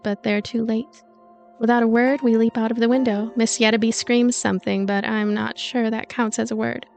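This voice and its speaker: A woman with a higher-than-average voice narrates a visual novel expressively. She slips into casual asides between passages, and game music plays faintly underneath. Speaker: let's play narrator and commentator.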